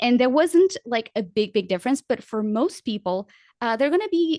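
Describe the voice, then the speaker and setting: The speaker has a non-native accent, and the sound is dry and close with no echo. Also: woman, quiet background. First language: not English. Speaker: podcast strategist. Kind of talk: interview conversation. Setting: podcast interview. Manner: conversational, many fillers and restarts.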